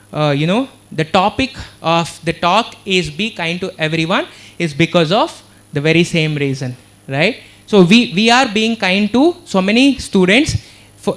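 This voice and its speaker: A man with an Indian English accent lecturing students. His voice sits high for a man, and he talks with earnest energy. He keeps tossing checks back to the listeners as he goes. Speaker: motivational speaker. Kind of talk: motivational talk to students. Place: university auditorium.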